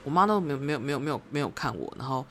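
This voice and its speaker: A woman's voice: a bass voice, expressive, very fast, a little hiss or hum. A young woman with a Taiwanese Mandarin accent hosting a solo podcast, talking in a reflective, rambling way and slipping into English phrases. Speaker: podcast host. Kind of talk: casual solo podcast monologue.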